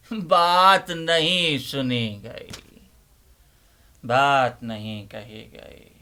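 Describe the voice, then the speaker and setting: A man playing a bookish old librarian uncle, giving theatrical, emphatic Urdu-literature readings with deliberate repetition. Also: on the high side, bright, forceful tone. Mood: earnest, pleading. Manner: emphatic, deliberate, repeats phrases rhetorically. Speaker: host, dramatic reader of Urdu literature. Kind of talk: theatrical dramatic reading and monologue.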